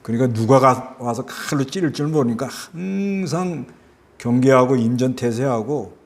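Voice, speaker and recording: A man's voice: medium pitch, lively intonation, measured pace. A male pastor with a Busan Gyeongsang accent, preaching a sermon in a conversational way, asking his listeners questions and acting out the people in the story. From South Korea. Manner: conversational preaching with rhetorical questions and acted-out voices.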